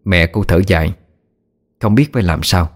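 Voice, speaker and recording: Deep-voiced man narrating a horror story. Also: normal speed. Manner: dramatic, expressive.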